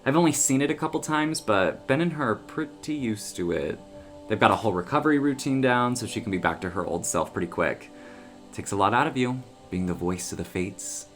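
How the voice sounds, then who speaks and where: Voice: medium pitch, expressive, a little fast, faint music behind, close to an everyday voice. A woman playing an easygoing, wry friend of a small-town oracle, talking casually and breezily in an audio drama.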